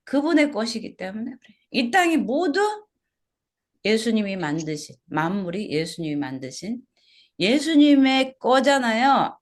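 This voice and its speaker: A woman's voice: fairly high pitch, big pitch swings, measured pace. A woman pastor preaching an expository sermon at a small church service, asking the congregation questions and repeating key words.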